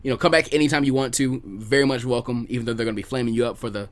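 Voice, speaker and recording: A man's voice: mid-range voice, steady tone, very fast. Casual male podcast host, emphatic delivery.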